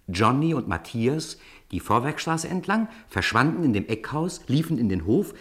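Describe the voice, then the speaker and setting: A man narrating a children's audio drama in an expressive storytelling manner. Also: mid-range voice.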